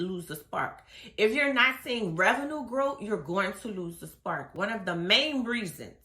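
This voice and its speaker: Slightly hoarse, bright-voiced woman coach. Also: medium pitch, echoey room. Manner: casual, chatty, reading from notes. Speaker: business coach. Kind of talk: motivational talk to camera.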